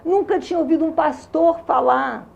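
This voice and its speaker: Speaking with a Carioca accent, this Rio de Janeiro woman in her sixties shares her faith testimony in conversation, earnest and moved. Her voice is high, gravelly and a little mellow, and she keeps a moderate pace.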